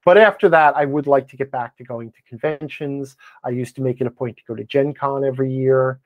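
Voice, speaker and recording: An American man chatting casually as a podcast guest, rambling and self-deprecating, with an animated, ranting way of talking. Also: medium pitch, a little fast, no room sound, narrow, tinny audio. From Wisconsin, United States. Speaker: podcast guest, blogger and game designer. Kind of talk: casual interview chat.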